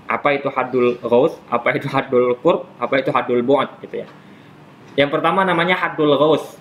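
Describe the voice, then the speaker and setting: A man's voice: mid-range voice, moderate pace, muffled recording, a little hiss or hum. Man teaching Islamic law casually. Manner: explains step by step, repeats terms, teases students. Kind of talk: casual classroom lesson. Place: classroom with students.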